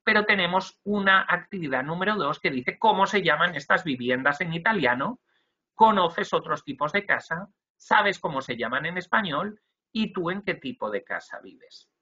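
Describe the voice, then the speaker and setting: His voice is high, animated and sharp with a breathy edge, moving at a moderate pace. He's a young man training Spanish teachers in a webinar, explaining slide by slide and leaning on "ujú" and "eh". Recorded indoors on a video call webcam, the audio is dull and lo-fi.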